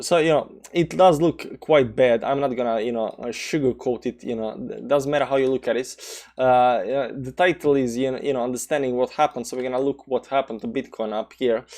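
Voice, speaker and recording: On a crypto chart live stream, a man with a Balkan accent rambles through casual commentary, full of fillers and restarts, reading out chat messages and responding. His mid-range voice has a slightly mellow quality.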